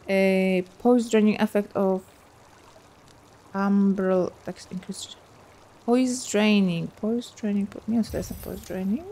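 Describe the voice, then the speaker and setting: A chatty woman gaming streamer narrates her gameplay in casual let's-play commentary, her voice medium-pitched and darkish. She thinks aloud and adds playful sound effects.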